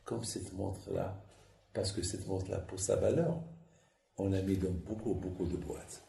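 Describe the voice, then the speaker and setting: A man, a rabbi, preaching a sermon and telling stories with lively acted-out dialogue. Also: deep voice, measured pace, creaky. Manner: lively storytelling, acts out dialogue. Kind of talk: sermon with anecdotes. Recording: echoey hall with faint noise.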